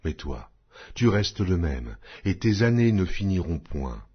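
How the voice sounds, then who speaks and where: A man's voice: low-pitched, sing-song, unhurried, breathy edge. A man reading the Bible aloud as an audiobook narrator, in a solemn, declamatory manner. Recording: dull lo-fi audio.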